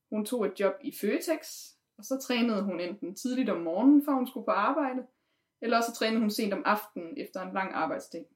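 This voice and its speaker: A woman's voice: on the high side, darkish tone. A woman host presenting a podcast segment from notes, with the odd filler. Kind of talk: scripted presenting.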